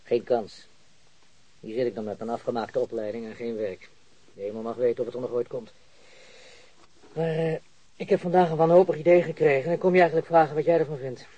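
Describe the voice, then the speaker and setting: An actor playing an earnest, downhearted jobless graduate in a radio play. His voice is husky and mid-pitched. He speaks informally and hesitantly, as if needing advice. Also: fairly quick, long pauses, warm tone, muffled recording, natural voice. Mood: despairing. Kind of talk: naturalistic radio drama acting.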